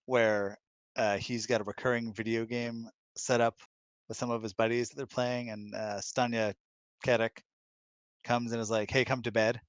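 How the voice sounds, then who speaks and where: A man talking casually in a question-and-answer chat, explaining things in a thoughtful, halting, emphatic way. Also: medium pitch, little pitch movement, smooth, no echo. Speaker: husband co-hosting a live Q&A. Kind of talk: casual conversational advice chat. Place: close-miked online voice chat, dry.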